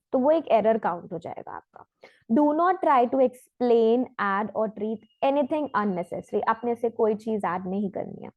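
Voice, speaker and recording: A woman teaching an exam prep lesson. She switches between Hindi and English, answers her own questions, and reads the sample passages slowly and carefully. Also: on the high side, no echo. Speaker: test prep trainer. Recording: tinny phone-like lo-fi audio.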